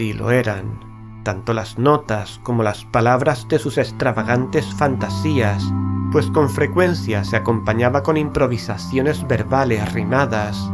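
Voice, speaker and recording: A man narrating a literary horror story in a measured, solemn, carefully enunciated dramatic style. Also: mid-range voice. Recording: background music under studio narration. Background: music.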